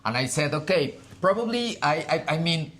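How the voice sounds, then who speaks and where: Trans woman with an expressive deep voice. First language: Spanish. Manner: halting, many restarts, laughs often. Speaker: interview guest. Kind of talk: casual conversation.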